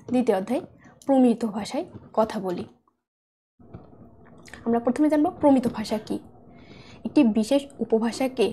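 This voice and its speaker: A woman's voice: a little high, warm tone. A young woman with a standard Bangladeshi Bengali accent, teaching a school lesson and patiently repeating her points. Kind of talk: classroom lesson narration. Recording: faint background noise with clicks.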